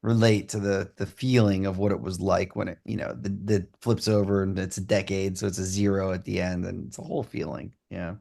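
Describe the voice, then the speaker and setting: 40s guy, lowish gravelly voice, wry teasing podcast cohost. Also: little pitch movement, brisk, few pauses, darkish tone. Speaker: podcast co-host. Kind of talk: casual podcast chat.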